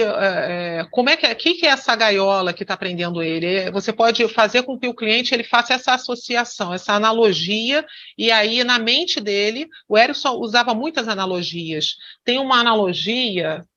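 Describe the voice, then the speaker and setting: A woman with a bright, sharp voice teaches hypnosis in an online lesson. She explains with many fillers and restarts. The recording is dull and lo-fi, like a video call. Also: mid-range voice.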